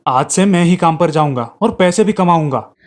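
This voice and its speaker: A man voicing a lazy, carefree young village lad in a cartoon, talking in a lively, cheeky way. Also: on the high side, normal speed, lightly acted.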